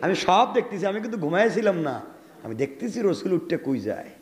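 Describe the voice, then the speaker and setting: A man with a fairly high voice and a Bangladeshi Bengali accent, preaching a storytelling sermon. He calls out to the crowd and rises into loud cries. The sound rings around a large hall with a long reverb tail. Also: big pitch swings, fast talker.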